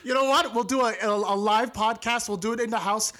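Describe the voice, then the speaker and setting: Bright, high-voiced podcast co-host. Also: male voice, brisk. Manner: self-deprecating storyteller, animated impressions. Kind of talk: casual podcast chat.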